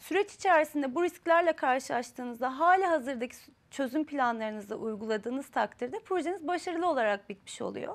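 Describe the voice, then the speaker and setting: Lively intonation marks a woman talking at a fairly quick pace. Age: 30s. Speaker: architect; interview guest. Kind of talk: TV interview. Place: studio. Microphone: lapel.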